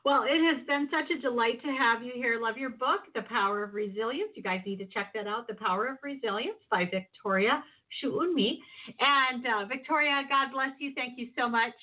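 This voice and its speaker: A woman's voice: a little high, moderate pace. A woman hosting a casual faith-based interview, enthusiastic and rambling, with many fillers and restarts. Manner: warm, enthusiastic, loose and rambling. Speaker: host. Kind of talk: casual Christian interview chat. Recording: tinny phone-like audio.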